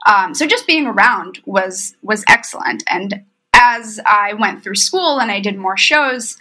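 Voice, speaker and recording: A woman's voice: medium pitch, measured pace, rough recording. A woman in her thirties from Romania, a tour manager, telling stories as an interview guest. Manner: storytelling, quotes others with lively asides. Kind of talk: casual interview chat. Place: remote call from home.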